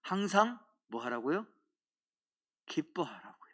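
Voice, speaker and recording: A middle-aged male pastor giving a lively sermon in a church, acting out little scenes and joking with the congregation. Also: fairly high pitch, takes it slowly. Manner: animated, acts out voices and jokes with the congregation. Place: church sanctuary.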